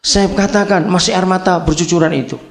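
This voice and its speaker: A man's voice: high voice, a little fast, gravelly. An older man preaching a sermon, emphatic and repetitive, calling for amens and acting out dialogue as he tells stories. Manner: animated storyteller acting out dialogue. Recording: echoey hall.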